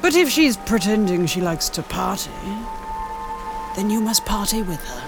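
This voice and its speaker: Actress doing a scheming spy boss, commanding and suspicious, lively pitch. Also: female voice, normal speed, loud music behind the voice. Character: scheming female spymaster boss.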